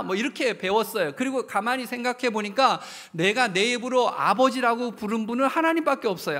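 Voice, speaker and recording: A man in his fifties preaching in a church sanctuary, with a fairly high voice and a gravelly edge. He tells stories in a plain, personal way and his voice swells louder when he reaches a point of feeling. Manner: storytelling, swelling louder at emotional peaks. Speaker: pastor. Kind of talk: sermon.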